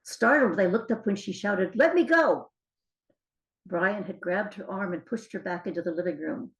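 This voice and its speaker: Older female author reading fiction aloud, gravelly creak, average pitch, dramatic storytelling delivery. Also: moderate pace.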